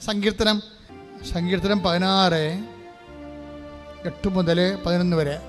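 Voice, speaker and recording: Male preacher with a high voice and long hall reverb. Leads a call-and-response sermon, asks the crowd questions and mixes in English phrases. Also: steady tone, measured pace, faint music behind. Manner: asks the congregation questions and has them repeat verses. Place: large church hall.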